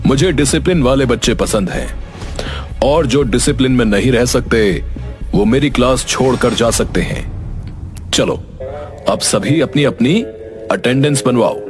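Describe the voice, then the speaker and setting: A man's voice: medium pitch, unhurried, long pauses, close to an everyday voice. A man voicing a strict, stern male schoolteacher in a cartoon, giving orders in a commanding tone. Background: background music.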